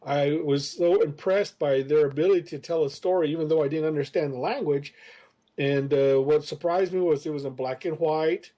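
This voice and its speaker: A man's voice: on the high side, normal speed, dark tone. A man in his fifties, raised in the United States, guesting on a podcast and telling long stories full of hesitant "uh"s. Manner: rambling, many hesitant fillers. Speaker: interview guest, comics creator. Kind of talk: casual storytelling interview.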